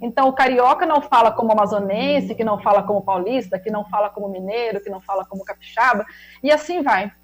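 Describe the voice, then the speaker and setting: A woman's voice: medium pitch, fast talker, low-quality recording. A woman with an interior São Paulo accent, a researcher and teacher trainer giving a reflective, explanatory talk over a video call. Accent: interior São Paulo (rolled caipira R). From interior of São Paulo state, Brazil. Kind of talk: web conference presentation.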